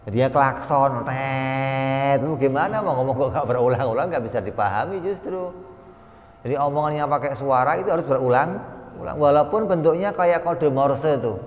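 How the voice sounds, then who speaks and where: A man giving a slow, explanatory religious study lecture, now and then voicing sound effects for his examples. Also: medium pitch, expressive. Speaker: religious teacher. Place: pesantren study hall. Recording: echoey hall with long reverb.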